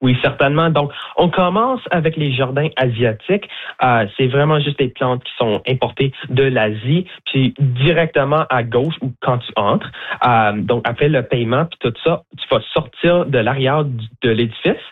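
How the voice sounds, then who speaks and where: A man's voice: mid-range voice, normal speed. Young man on a tinny phone line. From Newfoundland, Canada. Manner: chatty, hesitant, many fillers and restarts. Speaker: bilingual botanical garden guide. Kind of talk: casual interview answers.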